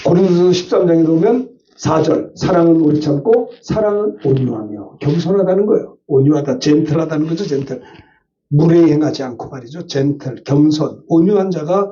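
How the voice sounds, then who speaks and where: A man's voice: a little high, a little fast, warm tone, distant mic, lo-fi sound, slight background noise. An older male pastor preaching a Sunday sermon, emphatic, often turning to the congregation with short questions.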